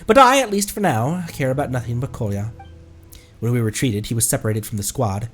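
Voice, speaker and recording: A man's voice: medium pitch, lively intonation, brisk, faint music behind, voice pushed down, lightly acted. A man voicing a solemn soldier from a video game, devoted to a missing comrade. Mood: grave, resolute. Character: solemn Fatui soldier pleading for a lost comrade.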